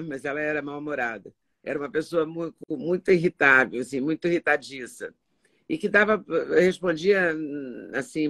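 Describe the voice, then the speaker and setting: A Brazilian woman hosting an interview, asking questions and telling chatty anecdotes. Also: low-pitched. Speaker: interviewer, host. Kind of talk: casual interview chat.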